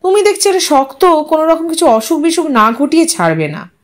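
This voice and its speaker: A woman's voice: high-pitched, very animated, brisk, voice pushed up. A woman voicing a fussy, reproachful young wife who is fond of her husband, in an audio story. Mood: worried scolding.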